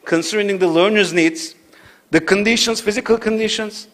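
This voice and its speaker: Male academic speaker, fairly high voice, lecturing in an auditorium, rhetorical, keeps checking in with listeners. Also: normal speed. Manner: rhetorical, checks in with "right?" and "you see". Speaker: conference speaker.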